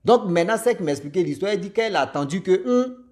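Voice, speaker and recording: Animated man telling a story. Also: sits high, fast. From Martinique and Ivory Coast parents. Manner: animated, laughs often, repeats words. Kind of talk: casual spoken storytelling.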